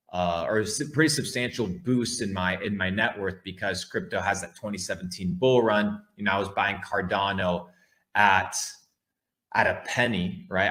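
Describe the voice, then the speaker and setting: Low-voiced, brash crypto bro guy. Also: fairly bright tone. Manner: emphatic, repeats key words for effect; blunt, casually profane. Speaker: livestream host, online entrepreneur. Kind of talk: casual motivational livestream monologue.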